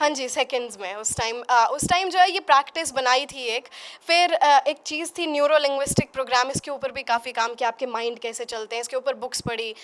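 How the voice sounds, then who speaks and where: A woman's high voice, with ordinary pitch variation, comes through over noticeable background noise. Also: moderate pace. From Haryana, India. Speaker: multilingual accent performer. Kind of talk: interview answer.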